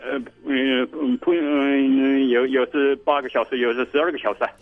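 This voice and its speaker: Man, radio caller, muffled phone-in audio, gravelly creak, casual, halting, repeats words. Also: mid-range voice, little pitch movement, dry recording, soft background music. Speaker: radio listener phoning in.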